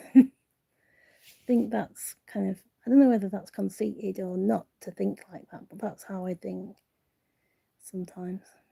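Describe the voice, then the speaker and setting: A woman with a dark, mellow, somewhat breathy tone speaks at a medium pitch with ordinary pitch variation, big swings in loudness, and long, frequent pauses. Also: moderate pace. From England, Derbyshire. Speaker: poet. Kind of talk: casual chat. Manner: halting; hesitant.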